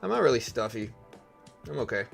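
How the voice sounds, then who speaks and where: A man with a raspy voice hosting a live trading stream, chatting casually with viewers and reading news aloud in a rambling, think-aloud way. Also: mid-range voice, big pitch swings, a little fast, soft background music. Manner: rambling, thinks aloud and asks chat questions.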